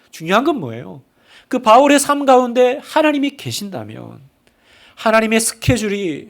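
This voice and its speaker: A middle-aged man preaching a Sunday sermon as a pastor, asking the congregation questions and acting out quoted dialogue. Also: on the high side. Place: church sanctuary.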